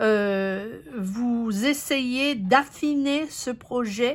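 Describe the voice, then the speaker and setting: A woman's high-pitched voice shows ordinary pitch variation on a very clean recording with a silent background. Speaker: tarot reader. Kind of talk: tarot reading. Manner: hesitant, filler-heavy; not fast, by own account.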